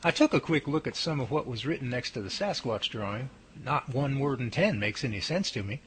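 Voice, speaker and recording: A man's voice: medium pitch, expressive, a little fast, slight background noise, lightly acted. A man playing an eager, easygoing team leader with a folksy way of talking, in an amateur radio drama.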